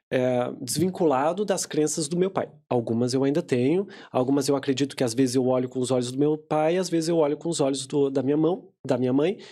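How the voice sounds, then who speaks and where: A man's voice: a little high, mellow. A man hosting a podcast, chatting in a casual, reflective way with loose phrasing. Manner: reflective, loose, with many fillers and restarts. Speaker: podcast host.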